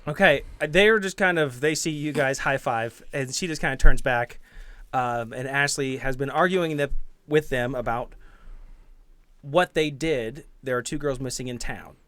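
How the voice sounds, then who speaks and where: A man's voice: mid-range voice, moderate pace, fairly bright tone, dry recording. A man narrating a tabletop game as game master, improvising in a casual, hesitant way.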